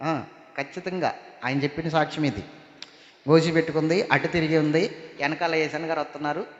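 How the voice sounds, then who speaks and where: A man's voice: fairly high pitch, fairly even intonation, brisk, reverberant, long reverb tail, highs cut off. A man preaching a sermon as a pastor, emphatic and repetitive, often calling for praise.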